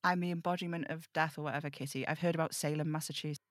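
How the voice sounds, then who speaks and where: A woman's voice: sits low, fairly even intonation, rapid-fire, no echo, clean studio sound, close to an everyday voice. A woman playing a snarky, weary supernatural radio host in an audio drama, wry and brooding in manner. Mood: snarky, wistful. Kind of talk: audio drama table read.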